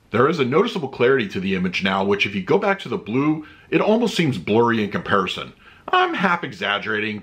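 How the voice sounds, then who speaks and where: A man's voice: medium pitch, a bit bright. A man in his thirties reviewing a movie disc at home, chatting loosely and then reading out a written review. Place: home room with shelves of discs.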